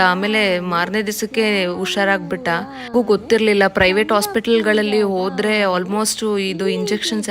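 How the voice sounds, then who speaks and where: A woman's voice: medium pitch, fairly bright tone, slight background noise. A young woman, a new mother chatting through a casual vlog and mixing English words into her talk. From India.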